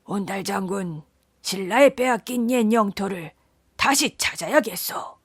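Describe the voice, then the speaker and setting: Stately old storybook king, loud and commanding, put on by a woman narrator. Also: medium pitch, unhurried, husky, dry recording, studio quality. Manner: stately archaic royal speech. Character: stern old king of an ancient kingdom.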